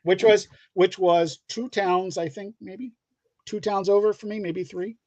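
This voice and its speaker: A middle-aged man from the Pittsburgh area in the United States, chatting casually as a guest and telling rambling, halting anecdotes. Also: high voice, fairly even intonation, darkish tone. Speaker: guest comic book creator. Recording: dull lo-fi, roomy call audio.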